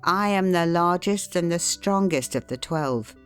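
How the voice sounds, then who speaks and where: A woman with a notably low voice reads an old self-help book aloud as an audiobook. She takes her time and leans on key words with steady pauses. Soft instrumental music plays quietly under her. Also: clear, resonant tone. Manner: measured, deliberate reading with emphatic pauses. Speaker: audiobook narrator. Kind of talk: scripted narration of a classic self-help book.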